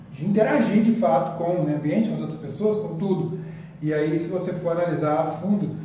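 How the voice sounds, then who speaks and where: A man speaks in a relaxed, earnest and encouraging way, as a guest teacher in an easygoing chat. His voice is high for a man and mellow. He sits back from the mic in a roomy, echoing space with faint noise underneath. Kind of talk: casual conversation. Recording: echoey room, distant mic, faint noise.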